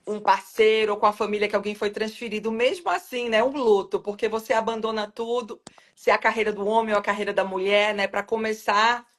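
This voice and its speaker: A woman's voice: mid-range voice, fairly even intonation, a little fast. A woman hosting an interview who affirms the guest and builds on her points, often adding "né?". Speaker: host. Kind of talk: conversational interview.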